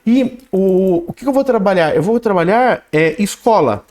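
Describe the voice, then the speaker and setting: A man teaches programming in a screen-recorded coding lesson. He explains as he types and reads the output aloud, often adding a quick "né?". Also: high voice, expressive, a little mellow. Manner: talks while typing code, reads output aloud, frequent "né?" and "ok?". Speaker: programming instructor.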